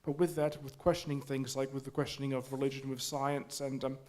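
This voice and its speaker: A man speaking at a community forum, halting with many restarts and fillers. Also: medium pitch, flat delivery, a little mellow. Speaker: forum audience member. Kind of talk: spontaneous public remarks. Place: community hall.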